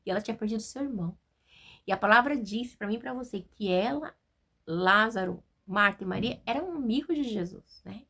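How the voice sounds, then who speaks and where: A woman with a Brazilian Portuguese accent giving an informal devotional Bible talk, chatty, with many fillers and tag questions, and reading verses slowly. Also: medium pitch, animated, pushed and bright, husky. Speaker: Bible teacher.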